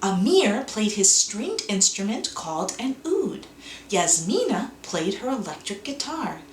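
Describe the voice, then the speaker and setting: Lady doing a kids read along, slow and super expressive, echoey room. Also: medium pitch. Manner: expressive, deliberate. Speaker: children's book author and co-reader. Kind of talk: animated read-aloud storytelling for children. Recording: roomy echo, faint background noise.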